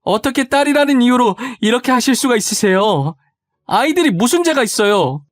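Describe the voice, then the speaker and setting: A man's voice: extremely high pitch, animated, fairly quick, no room sound, voice pushed up. A man voicing a distressed young wife who pleads and insists over and over. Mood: pleading.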